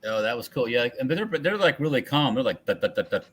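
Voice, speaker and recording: A man's voice: mid-range voice, very animated, fast, slight background noise. A man chatting casually about guns, rambling and trailing off, often chuckling. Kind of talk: casual firearms chat.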